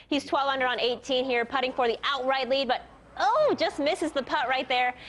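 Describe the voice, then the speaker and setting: A woman's voice: fairly high pitch, fairly bright tone, slight background noise. A woman with an American accent reading scripted sports news as a TV anchor.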